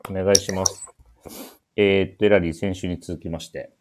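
A man's voice: deep voice, level tone, normal speed, a little mellow. A man hosting a casual radio-style talk, bantering and teasing his co-hosts. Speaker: show host, MC.

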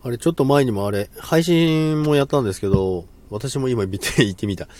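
A man's voice: medium pitch, a little fast, darkish tone, no room sound. A man hosting a casual live stream, polite and self-deprecating, laughing often and stumbling over words.

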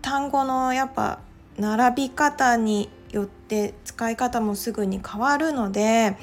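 A woman's voice: a little high, measured pace. A woman talking casually on her own podcast, chatty and full of little fillers as she goes. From Japan. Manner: chatty, many filler "well"s. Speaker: podcast host. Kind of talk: casual monologue.

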